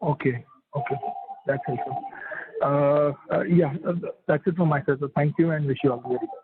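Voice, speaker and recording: A man's voice: a little high, steady tone, brisk. A man with an Indian accent, an analyst asking polite, hesitant questions on an earnings call by phone. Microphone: telephone. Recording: thin phone-line audio.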